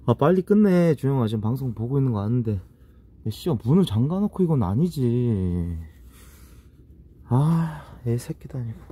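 A man's voice: mid-range voice, animated, moderate pace, mellow. A man live-streaming outdoors at night, chatting bluntly and swearing as he shivers from the cold. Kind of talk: casual live-stream chat. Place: outdoors at night at a holiday cabin.

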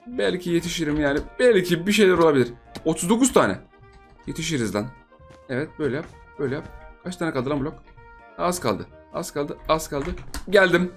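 A young man giving chatty live commentary on a game he is playing, repeating himself and teasing the other players. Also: a little high. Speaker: gaming YouTuber.

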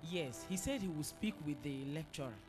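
A woman's voice: low-pitched, expressive, brisk, over music. A young woman playing a confident Christian student who scolds and preaches.

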